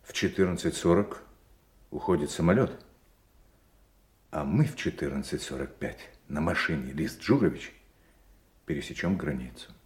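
An actor playing a brisk, decisive undercover operative in an audio drama, with a businesslike and courteous clipped delivery. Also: male voice, a bass voice.

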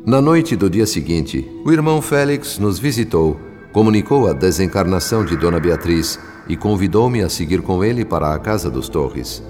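An actor playing an earnest, reflective spirit narrator with a Brazilian accent, telling a radio drama in solemn, literary style. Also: male voice, low-pitched, expressive, normal speed, few pauses, darkish tone, in a large hall, soft background music.

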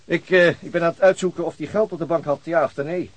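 An actor playing an awkward, polite police investigator in a radio drama, halting and often repeating himself. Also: male voice, on the high side, fairly even intonation, natural voice. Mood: hesitant, explaining. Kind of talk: naturalistic radio drama acting.

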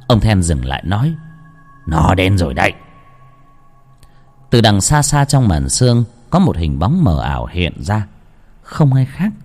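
A man narrating a horror story in a slow, dramatic scripted style. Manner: slow, dramatic, lively pitch. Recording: long hall reverb, faint music.

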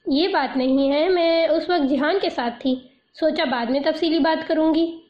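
A woman's voice: high voice, close to an everyday voice. A woman voicing a headstrong young wife. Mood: insistent. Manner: pointed, insistent. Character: headstrong young married woman, sharp and stubborn. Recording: dull lo-fi audio.

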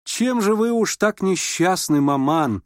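A man's voice: high voice, expressive, unhurried, dry recording, clean studio sound, voice pushed up. A man doing an eager young noblewoman. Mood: teasing. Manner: enthusiastic, exclaiming. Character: cheerful young noblewoman, eager artist daughter.

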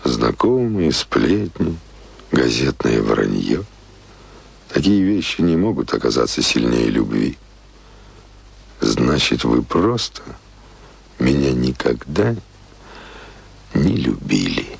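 An actor in a radio play playing a brooding, weary man in love, speaking in a bitter, theatrical, gravelly way. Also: very deep voice, sing-song, slow, pauses often, full character voice.

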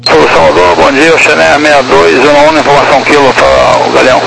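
A man's voice: fairly high pitch, flat delivery, quick pace, gravelly. A man with a Brazilian accent speaking as an airline pilot to air traffic control over a walkie-talkie style radio. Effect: walkie-talkie style aviation radio. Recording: noisy two-way radio transmission.

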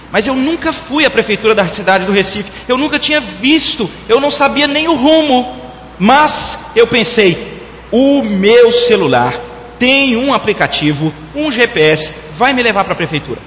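High-voiced preacher man in an echoey hall. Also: fairly bright tone, a little hiss or hum. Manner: storytelling preacher who addresses the congregation directly. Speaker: pastor. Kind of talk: sermon. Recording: echoey hall, dull lo-fi sound.

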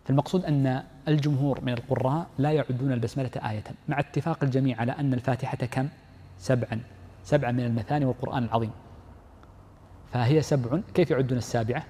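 A man's voice: medium pitch, dark tone, slight background noise. A man teaching a lesson in Islamic law, explaining a text step by step and often repeating his key points. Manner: explains step by step, repeats key phrases, reads the text aloud then comments. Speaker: sheikh teaching Islamic jurisprudence. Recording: long hall reverb.

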